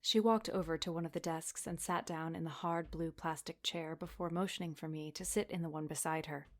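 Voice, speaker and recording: Woman as a guarded, low-voiced Catholic schoolgirl. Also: fairly even intonation, fairly quick. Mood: tense, reflective. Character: guarded teenage Catholic schoolgirl, narrating her memories. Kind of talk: first-person audio drama narration and dialogue.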